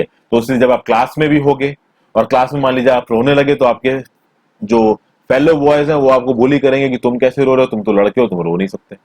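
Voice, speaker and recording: A man teaching a school textbook chapter in a conversational way, mixing in English terms, recorded on a close mic in a small quiet room. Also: medium pitch, no echo. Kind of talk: textbook lesson explanation.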